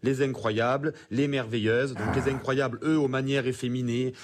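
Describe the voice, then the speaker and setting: A man's voice: medium pitch, fairly even intonation, normal speed, a little hiss or hum. Enthusiastic male radio columnist. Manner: enthusiastic, explanatory. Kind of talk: radio explainer segment.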